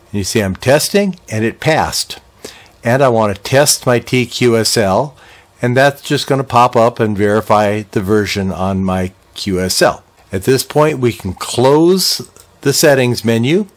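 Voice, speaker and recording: Older American man giving a tutorial. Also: medium pitch. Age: older, around 60s. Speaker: video tutorial presenter. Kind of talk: step-by-step software tutorial, conversational.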